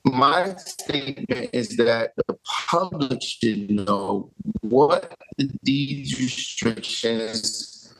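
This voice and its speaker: A man, a city councilman, speaking insistently and haltingly on a remote meeting call whose audio turns glitchy and robotic, cutting in and out. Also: mid-range voice, expressive, a bit bright, far from the mic, rough recording. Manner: insistent, halting with fillers and restarts. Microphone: video call.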